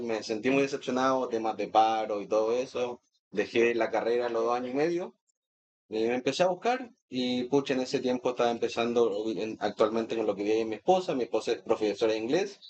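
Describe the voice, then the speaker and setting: Raised in Santiago, this Chilean man in his thirties talks in a relaxed way while appearing as a guest sommelier in an interview. The sound is lo-fi, and his mid-range voice carries a darkish tone.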